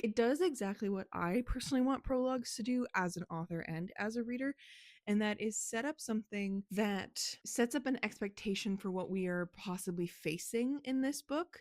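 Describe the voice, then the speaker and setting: A woman vlogging about books and her writing in a casual, animated way, laughing and swearing often, her voice a little hoarse. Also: mid-range voice, no echo, studio quality. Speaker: book vlogger and author. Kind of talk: casual chatty vlog.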